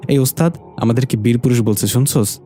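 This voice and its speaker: A mischievous young prankster with a smug, cheeky comeback for everything, voiced by a male storyteller. His voice is mellow, and it sits slightly higher than the narration. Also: fairly quick, faint music behind, close to an everyday voice.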